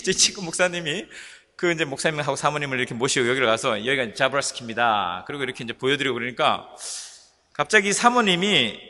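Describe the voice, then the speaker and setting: A male pastor preaching a sermon and telling stories that he jokes about with the congregation. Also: fairly high pitch. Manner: animated storytelling preacher, joking with the congregation. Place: church sanctuary. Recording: echoey church hall.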